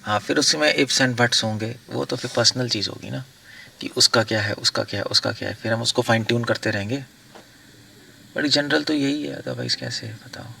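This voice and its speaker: A man's voice: medium pitch, moderate pace, gravelly, bright, forceful tone, recorded from a distance. A monk giving informal spiritual guidance in a conversational way, repeating his points and chuckling now and then.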